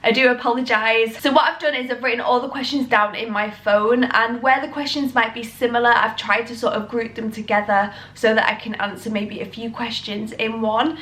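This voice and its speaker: A woman's voice: fairly high pitch, steady tone, moderate pace, few pauses, bright, forceful tone. Nasal young British woman with a cold. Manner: chatty, rambling, reassuring. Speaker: health vlogger. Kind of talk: casual talk to camera.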